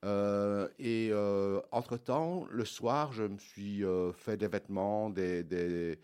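Middle-aged man, very low voice, lively answers, repeats words, interview guest. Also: takes it slowly, smooth. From Belgium. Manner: animated, repeats words when searching. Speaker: milliner guest.

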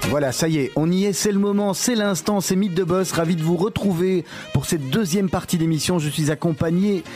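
Higher-pitched male radio host. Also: fairly quick, music in the background. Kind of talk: conversational radio interview.

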